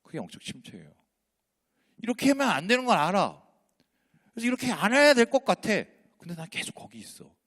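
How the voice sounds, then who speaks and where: Male pastor, sermon, fairly high voice, very expressive delivery, acts out the voices he quotes. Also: fairly quick, long pauses. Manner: animated, acts out dialogue in changing voices, asks rhetorical questions. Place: church sanctuary.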